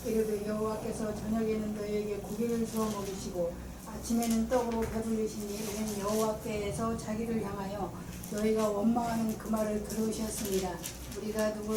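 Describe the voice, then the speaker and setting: A woman from the congregation reading scripture aloud in an even way. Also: medium pitch, moderate pace. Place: church sanctuary. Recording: echoey church from far off, clear noise.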